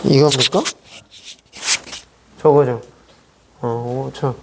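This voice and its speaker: A man's voice: medium pitch, fairly even intonation, drawn-out words, background noise. A middle-aged man preaching a sermon at a youth church service, in a conversational way full of rhetorical questions. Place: church sanctuary.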